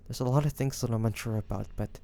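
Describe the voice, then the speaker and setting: A man playing a devoted young lover in an intimate romantic fantasy audio roleplay, speaking softly and haltingly with great affection. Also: mid-range voice, vocal fry, close to an everyday voice. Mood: tender, earnest. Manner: soft, hesitant, affectionate, halting phrases.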